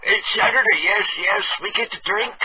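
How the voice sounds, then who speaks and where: Brief: man doing a pushy old chess king, high voice, over a tinny phone line. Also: brisk, noisy background, close to an everyday voice. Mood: pushy, teasing. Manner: pushy, teasing, challenging. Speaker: prank caller.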